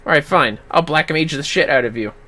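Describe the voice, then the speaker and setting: A man's voice: on the high side, brisk, sharp tone, soft background music. A man livestreaming a game with casual, cocky, sweary commentary. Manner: sweary, cocky trash talk.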